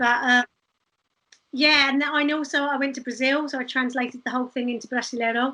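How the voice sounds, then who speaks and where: The voice is raised and projected, energetic, bright and sharp in tone, moving at a fairly quick pace. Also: woman, high pitch for a woman. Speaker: street performer. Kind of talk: interview answer. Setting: Skype call.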